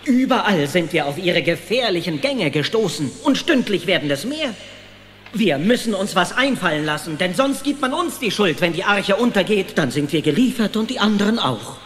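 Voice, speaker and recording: An actor playing an elderly woodworm patriarch giving solemn speeches in a German children's audio drama. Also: male voice, sits high, sing-song, moderate pace, a bit bright, a little hiss or hum. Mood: grave urgent. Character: elderly woodworm patriarch addressing his clan. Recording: long hollow reverb.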